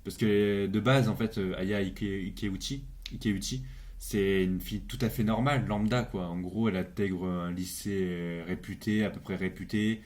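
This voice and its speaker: A young man with a lowish voice talks through a drama series in a loose, casual way. He hesitates often, restarting his sentences and filling gaps with little sounds as he goes. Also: fairly even intonation, moderate pace, few pauses, darkish tone. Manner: hesitant, many fillers and restarts. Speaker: video creator reviewing a series. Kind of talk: casual spoken review.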